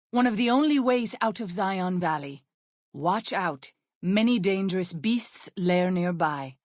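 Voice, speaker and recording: An actress voicing a gentle, devout young tribal woman scout in a video game, speaking in measured, formal phrases with earnest solemnity. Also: medium pitch, no room sound, studio quality. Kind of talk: video game character dialogue.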